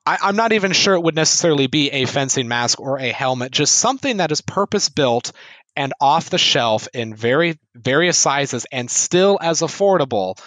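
A man fencing instructor, a podcast guest, explaining in an earnest, steady way with a few small restarts. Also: a little high, moderate pace, no echo, poor audio. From United States. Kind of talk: casual podcast interview.

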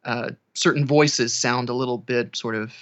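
A man's voice: mid-range voice, fairly even intonation, normal speed, a bit bright, lo-fi sound. A man speaking casually as a guest audiobook narrator in a conversational interview.

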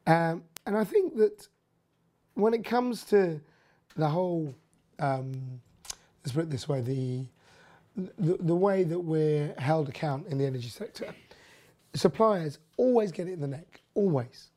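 A podcast host with a husky, hoarse voice, half gone, talking through energy news casually, rambling with lots of fillers and opinionated asides. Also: mid-range voice, animated, unhurried, warm tone. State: hoarse, losing voice.

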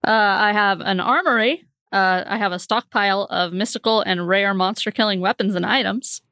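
A woman's voice: mid-range voice, normal speed, pushed and bright, no echo, studio quality. A woman casually describing her character in a tabletop game, chatty with frequent fillers and laughs. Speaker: player.

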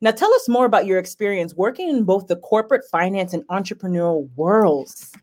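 A woman's voice: mid-range voice, expressive, a little fast, darkish tone. A woman hosting a podcast, reading an upbeat scripted intro and asking her guest questions. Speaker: podcast host.

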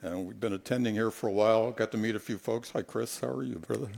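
A middle-aged man preaching a sermon in a church on a headset mic, telling stories and acting out quotes in an animated way. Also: on the low side, fast talker, gravelly. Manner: animated, storytelling, acts out quotes. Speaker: guest preacher. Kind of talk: sermon with humorous anecdotes. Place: church sanctuary.

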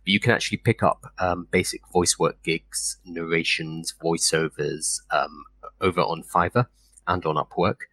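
A British man from South London with a slight lisp, co-hosting a casual live stream and explaining things in a relaxed, wry way. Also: sits low, normal speed, no room sound. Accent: British English, South London tinge. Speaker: co-host.

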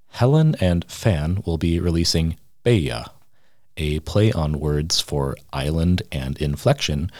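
A man narrating a scripted news feature as a reporter, measured and steady. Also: very deep voice, no echo, clean studio sound. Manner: measured, reads quotes aloud in the same voice. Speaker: radio reporter.

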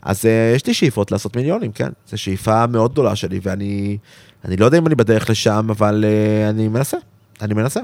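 A man's voice: lowish voice, gravelly, darkish tone, no echo. A man with an Israeli accent talking casually as a guest in an interview.

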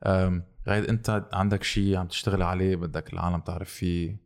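A man's voice: low-pitched, flat delivery, rapid-fire. A man with a Lebanese accent hosting a casual podcast conversation, switching between Arabic and English and swearing freely. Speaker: podcast host.

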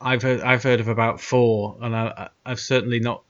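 A man hosting a casual podcast chat, heard through a cheap plug-in telephone-type microphone with low audio quality. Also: little pitch movement, brisk, a bit bright. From United Kingdom. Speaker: podcast host. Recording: dull lo-fi cheap mic.

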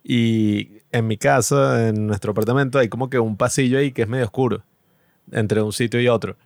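A man who is a podcast guest, laughing often as he tells a lively childhood anecdote. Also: medium pitch, fairly quick, vocal fry, no echo, clean studio sound. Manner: laughing, animated anecdote teller. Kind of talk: casual podcast chat.

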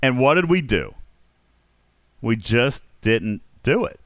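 A man hosting a casual group discussion, asking questions and musing aloud in an animated way. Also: mid-range voice, takes it slowly, no echo, clean studio sound. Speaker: podcast host.

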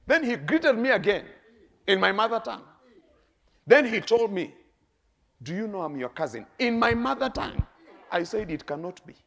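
Kenyan male preacher, middle-aged, fairly high voice, storytelling sermon, shifts quiet to loud. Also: normal speed, gravelly, pauses often. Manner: animated, laughing, swinging between quiet and loud.

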